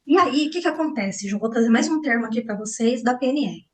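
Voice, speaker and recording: A high-pitched woman teaching a relaxed online class for therapists. She talks animatedly, acting out small scenes and tagging her sentences with quick checks to her listeners. Her voice sits a bit back from the mic. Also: distant mic, low-quality recording. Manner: animated, acts out dialogue, frequent "né?" and "tá?".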